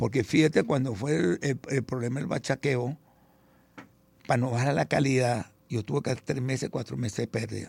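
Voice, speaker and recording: A man with a medium pitch speaks at a moderate pace, and his voice shows vocal fry. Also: ordinary pitch variation. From Venezuela, Caracas. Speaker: hot dog street vendor. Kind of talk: interview. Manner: halting.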